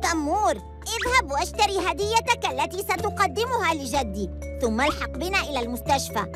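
A woman voicing an excitable, pushy young boy in a children's cartoon, insistent and eager, in formal Arabic. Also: very high voice, fairly quick. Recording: music behind the voice.

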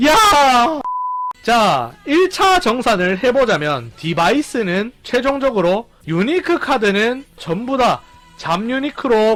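Male gaming streamer: high, bouncy voice full of countdowns and shouts, over soft game music. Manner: animated, counting down and exclaiming loudly. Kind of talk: excited gameplay commentary.

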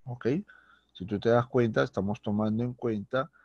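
A man's voice: medium pitch, fairly even intonation, normal speed, husky, no echo, muffled recording. A male teacher giving a grammar lesson with a Peruvian Spanish accent, patient and repetitive, often checking in with his students. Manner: patient, repeats words and checks with "¿ok?" and "¿listo?".

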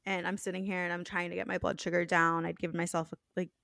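A young woman with a raspy voice co-hosting a podcast, talking frankly and joking in a casual chat. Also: fairly low pitch, level tone, fast, a bit bright, no echo, studio quality. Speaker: podcast co-host.

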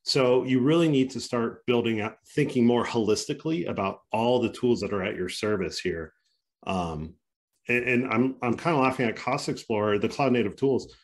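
A man's voice: mid-range voice, normal speed. A man speaking as a panelist over a video call, earnest and giving practical examples. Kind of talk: webinar panel discussion.

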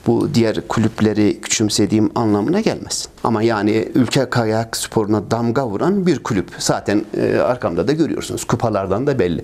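Inside a trophy-filled office hung with flags, a fifties-aged ski club president speaks into a lapel mic with a fairly low, slightly mellow voice. His earnest interview answers turn into lengthy complaints, dotted with fillers and repeated phrases.

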